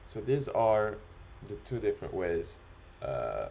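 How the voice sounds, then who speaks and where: Man demonstrating software for a tutorial. Lowish voice with gravelly fry, step-by-step delivery. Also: very animated, takes it slowly, slight background noise. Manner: step-by-step, instructional. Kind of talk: screen-recorded tutorial walkthrough, unscripted.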